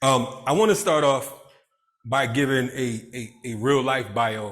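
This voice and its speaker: A man with an American accent, with audible room echo around his voice. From US Northeast, Bridgeport, Connecticut. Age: 50s. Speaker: activist and movement founder. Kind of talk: keynote speech. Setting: stage with audience. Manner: animated.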